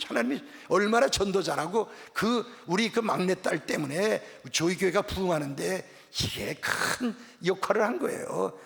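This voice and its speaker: A man's voice: high-pitched, vocal fry. A middle-aged man preaching a revival sermon as pastor, telling stories and acting out the dialogue. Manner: animated storytelling, acts out dialogue. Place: church sanctuary. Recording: reverberant church hall.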